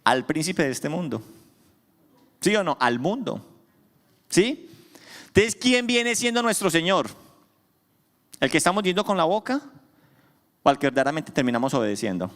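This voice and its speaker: A man's voice: fairly high pitch, big pitch swings, normal speed, long pauses, fairly bright tone. A man pastor preaching a sermon, asking his congregation questions and answering them himself with emphasis. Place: church hall. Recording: long church hall reverb.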